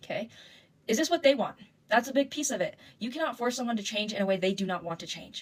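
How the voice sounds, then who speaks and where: Talking at a very fast pace, a woman uses a fairly high voice with ordinary pitch variation. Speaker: relationship content creator. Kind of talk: livestream talk. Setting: live stream. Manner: casual, with self-corrections.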